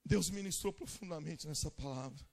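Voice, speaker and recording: A man with a Brazilian Portuguese accent preaching a Pentecostal sermon at a church conference, moving between chatty asides and shouted exhortation. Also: a little high, normal speed, creaky. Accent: Brazilian Portuguese, São Paulo interior. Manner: swings from conversational asides to shouted, fervent exhortation; speaks in tongues amid the preaching.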